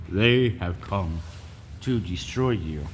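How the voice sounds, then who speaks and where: A dying alien played by a man reading aloud speaks low and very slowly. He is solemn and wise, a wounded storybook creature giving grave warnings, with faint noise behind. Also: lively intonation, in a large hall. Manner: slow, grave, halting warnings.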